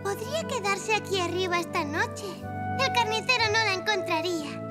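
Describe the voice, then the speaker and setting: A woman voicing a kind, brave young mountain girl in an animated series, earnest, gentle and encouraging. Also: very high voice, normal speed. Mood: pleading. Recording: music under the dialogue.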